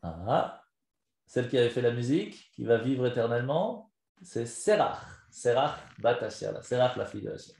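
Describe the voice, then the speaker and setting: A man, a rabbi, giving a live lesson as a story, animated and quizzing his listeners. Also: mid-range voice, moderate pace, creaky. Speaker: rabbi teaching a class. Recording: echoey room.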